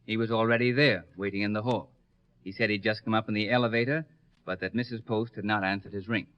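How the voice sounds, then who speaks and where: A male actor as a courteous, measured lawyer from an old radio drama serial. The voice is low and the manner matter-of-fact and careful. The sound is close, dry and lo-fi. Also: fairly even intonation, clean tone, dry recording, lightly acted. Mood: earnest, measured. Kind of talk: 1950s American radio detective serial acting.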